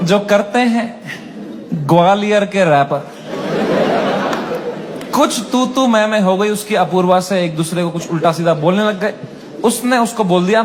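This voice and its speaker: Crude, animated male stand-up comedian. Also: high voice. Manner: animated, crude, self-mocking. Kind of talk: stand-up storytelling. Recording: live stage with audience and noise. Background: audience laughter and room noise.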